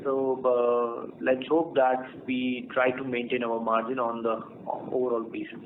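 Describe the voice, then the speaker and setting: A man with an Indian accent speaking as a company executive on an earnings conference call, explaining in a halting way. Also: mid-range voice, little pitch movement. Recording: tinny phone line with clear noise.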